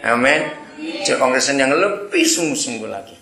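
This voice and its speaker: Male preacher, bright and lively, storytelling sermon, echoey hall sound. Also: mid-range voice, moderate pace, gravelly, faint music behind. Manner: animated, acts out voices and sound effects.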